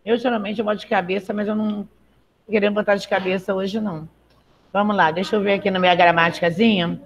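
A woman's voice: mid-range voice, fairly even intonation, fast talker, gravelly, a little hiss or hum. Woman teacher, online grammar class, chatty and encouraging, motherly with students. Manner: chatty, checks in with frequent "tá?". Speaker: Portuguese teacher. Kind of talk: live online grammar lesson.

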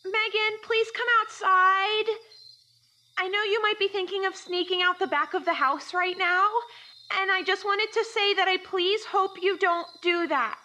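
Audio drama earnest devoted young woman: piercingly high, bright, politely pleading. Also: fairly even intonation, unhurried, full character voice.

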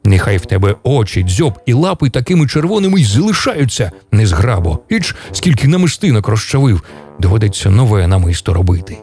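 A man playing father Sky, an old sky spirit in a children's radio tale who commands with a heavy, mellow voice. His words rise and fall with lively pitch. He judges the birds with authority. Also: fairly quick, faint music behind. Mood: stern. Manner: commanding, scolding, then gentle.

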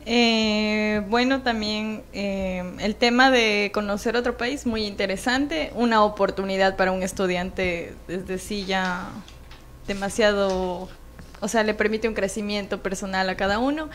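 Young Ecuadorian woman, medium pitch. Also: steady tone, measured pace, a bit bright, slight background noise. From Quito, Ecuador. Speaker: interview guest, student. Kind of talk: unscripted conversational interview answers.

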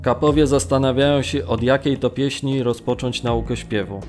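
A male actor plays a man held in a brutal camp, bearing witness in a radio play. His voice sits at a medium pitch as he recounts his ordeal. Faint music runs underneath. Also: fairly even intonation, moderate pace, a little mellow, natural voice. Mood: grim, harrowed. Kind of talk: dramatised documentary narration of survivor testimony.

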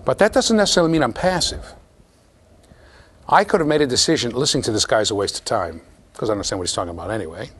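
A man with a low voice giving a classroom lecture, talking straight to the students in a lively, conversational way. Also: quick pace, husky. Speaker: university lecturer.

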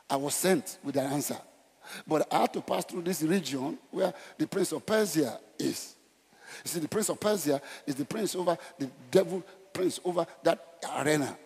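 Man, Nigerian accent, evangelistic sermon, emphatic exhortation, slightly high husky voice, reverberant church hall. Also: a little mellow. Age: middle-aged. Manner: emphatic, exhorting, with repeated short phrases. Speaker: pastor. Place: large church auditorium, on stage. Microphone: headset. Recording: echoey church hall sound.

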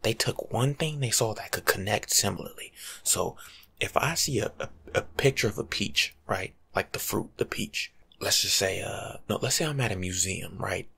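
A young American man speaks in soft ASMR tones, half-whispered and very breathy. His voice is gravelly and swings animatedly up and down as he lectures in casual, teasing slang. He sounds close to the microphone. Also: fairly low pitch, animated, normal speed. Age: young adult. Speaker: ASMR creator playing a life coach. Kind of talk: soft-spoken ASMR, casual advice monologue. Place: small home room, seated indoors.

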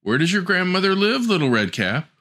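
A crafty storybook wolf who sweet-talks his prey, played by a man reading aloud. His coaxing voice rides up and down with lively swoops. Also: sits high, a little fast, voice pushed up, heavily acted. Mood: sly. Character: cunning, sly male wolf.

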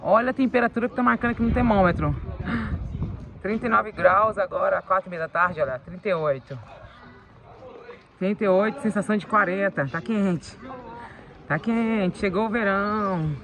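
A woman's voice: mid-range voice, moderate pace, pauses often, fairly bright tone. A mother chatting casually to viewers as she films her family's day at home and out walking. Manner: chatty, addresses viewers as "gente", coos to her children. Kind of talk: casual vlog narration. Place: home and outdoors on a hot street and park.

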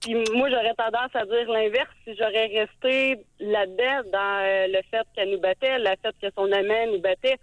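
A Québécois woman in her thirties calling in to a radio show, talking hesitantly with many filler pauses over a phone line. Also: a little high, no room sound. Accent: Québécois French. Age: 30s. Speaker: radio caller. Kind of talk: call-in talk. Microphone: telephone.

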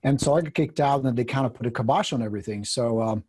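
A man's voice: medium pitch, fast talker, a little mellow, slightly rough. A man in his fifties with a Czech accent, a guest coach telling his story bluntly and jokingly, with some swearing, into a desk microphone in an indoor studio. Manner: blunt, profane, joking, gestures a lot. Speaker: guest real estate coach. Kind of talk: candid storytelling in a video interview. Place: indoor studio room with brick wall. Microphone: desk condenser microphone.

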